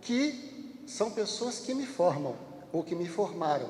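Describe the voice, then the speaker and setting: A man talks at a very slow pace with very wide pitch swings, over noticeable background noise and audible room echo. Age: 50s. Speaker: spiritist lecturer. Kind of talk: lecture. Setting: stage with audience.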